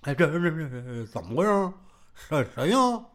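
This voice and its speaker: A woman's voice: low voice, sing-song, moderate pace, voice pushed down. A woman storyteller voicing a brash, impatient young male martial hero who talks bluntly and stammers when startled.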